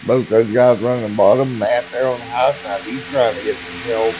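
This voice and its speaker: Hoarse man calling a race. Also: medium pitch, moderate pace, rough recording. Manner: steady play-by-play calling positions. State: losing his voice. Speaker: sim racing commentator. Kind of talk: live race commentary. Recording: music playing behind voice.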